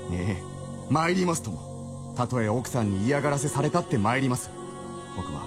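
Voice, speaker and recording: A man's voice: mid-range voice, very animated, moderate pace, music in the background, close to an everyday voice. A man playing a puzzled, earnest writer. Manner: polite, earnest, easily puzzled. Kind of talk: radio drama acting.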